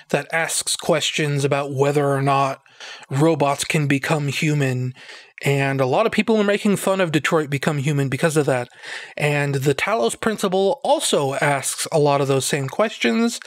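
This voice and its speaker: A man's voice: on the high side, dry recording. A man hosting a casual solo podcast, rambling with lots of fillers and joking at his own expense, his throat a bit phlegmy and nasal. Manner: rambling, filler-heavy, self-deprecating joking. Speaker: podcast host.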